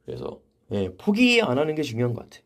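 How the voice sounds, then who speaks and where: A young man talks casually into a livestream, relaxed and chatty. He reads out viewer comments and answers them at an easy pace, in a voice of middling pitch. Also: quick pace, creaky. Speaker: idol livestream host. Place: vocal practice room.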